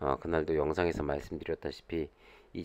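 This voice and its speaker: A man speaks against a quiet background. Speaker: stock market YouTuber. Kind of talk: stock market commentary. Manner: many fillers, hesitant.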